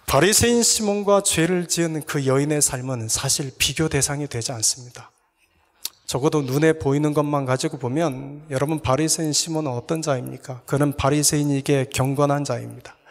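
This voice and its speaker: A male pastor preaching a sermon, earnestly putting rhetorical questions to his congregation and sometimes dropping to a soft whisper. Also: on the high side, normal speed. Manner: earnest, addresses listeners with repeated rhetorical questions. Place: church sanctuary. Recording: long reverb of a church hall.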